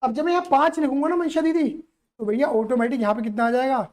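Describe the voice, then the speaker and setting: A man's voice: very high-pitched, fairly even intonation, fast, a little mellow. A man teaching accountancy to a live class, playful and teasing as he keeps quizzing the students.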